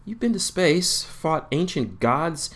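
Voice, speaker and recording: A man doing a soft-spoken gentle princess. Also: on the high side, very animated, slow pace, voice pushed up, heavily acted. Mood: teasing. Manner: soft, hushed, coaxing. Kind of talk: fan fiction read aloud.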